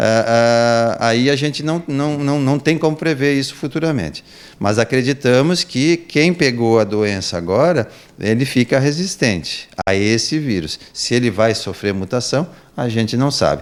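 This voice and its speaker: A man with an unremarkable speaking voice, medium pitch, lively intonation and a fairly slow pace. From not from Brusque. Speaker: city health secretary, anesthesiologist. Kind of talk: interview.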